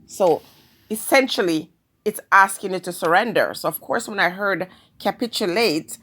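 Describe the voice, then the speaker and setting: A woman with a Jamaican accent hosting her own channel, talking earnestly and in a measured way straight to her viewers. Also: mid-range voice, fairly bright tone. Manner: earnest, measured, speaks of spiritual guidance. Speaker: channel host. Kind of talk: solo commentary to camera.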